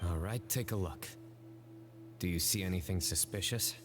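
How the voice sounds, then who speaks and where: A man voicing a stern, composed young investigator in a video game, speaking in a measured, deadpan way. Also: low-pitched, lightly acted. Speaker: game character. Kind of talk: game voice acting. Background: game music.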